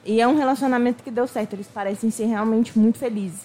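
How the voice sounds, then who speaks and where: A woman's voice: on the high side, fairly even intonation, fast talker, mellow. A woman co-hosting a live radio show, casually agreeing with and finishing her partner's sentences. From Minas Gerais, Brazil.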